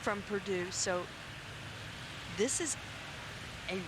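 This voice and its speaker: A woman's voice: mid-range voice, slow. A woman giving live, analytical diving commentary, explaining technique and scoring as a sports analyst. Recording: very noisy natatorium ambience behind. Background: loud venue noise.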